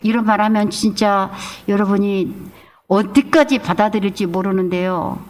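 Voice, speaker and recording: A woman's voice: mid-range voice, steady tone, moderate pace, darkish tone. A middle-aged woman pastor preaching a sermon emphatically, sometimes acting out whiny prayers and scolding the congregation.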